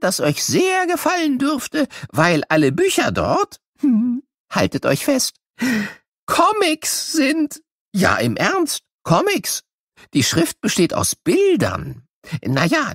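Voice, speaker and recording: An excitable, eccentric cartoon inventor, with a high voice that swoops wildly up and down. He is playfully boastful and theatrical, joking with young listeners in a children's audio play. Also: breathy edge, dry recording, studio quality, heavily acted.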